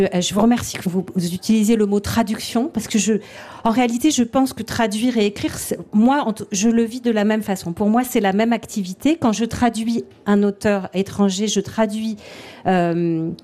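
A middle-aged woman, an author and literary translator, answering interview questions in a thoughtful, halting way with frequent restarts. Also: medium pitch, mellow. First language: French.

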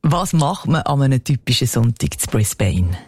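A man's voice: medium pitch, sing-song, moderate pace, a little mellow, breathy edge, no room sound, clean studio sound. A man with a Swiss German accent hosting a radio show, interviewing a guest in an upbeat, chatty way. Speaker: radio host.

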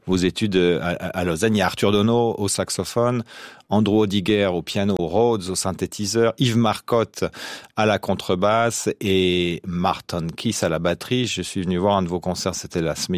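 A man hosting a music interview, asking relaxed, slightly hesitant questions. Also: low voice, no echo, clean studio sound. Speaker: radio host. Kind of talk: radio interview.

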